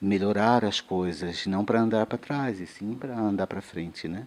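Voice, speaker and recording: In a Florianópolis accent, the speaker talks at a fairly slow pace with ordinary pitch variation. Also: man. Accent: Florianópolis island. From Florianópolis, Santa Catarina, Brazil. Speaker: poet and writer. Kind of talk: interview. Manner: gentle, soft-spoken.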